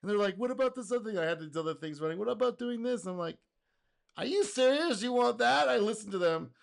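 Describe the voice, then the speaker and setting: A man hosting a casual reaction video, speaking in an animated way, laughing and acting out quotes, his voice going a little hoarse. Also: high voice, fast talker. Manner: animated, exclaims and laughs, acts out customer quotes. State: getting hoarse.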